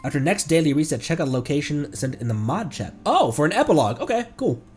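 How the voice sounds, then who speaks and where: A man's voice: fairly high pitch, sing-song, fast, slightly rough, faint music behind. A man streaming a video game with casual, jokey live commentary. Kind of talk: casual live game commentary mixed with acted dialogue reading.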